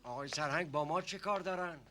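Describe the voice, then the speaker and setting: A man's voice: on the high side, pushed and bright. An actor playing a humble, hesitant older male servant in a TV comedy drama, stammering and evasive. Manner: stammering, evasive, fond of repeating himself.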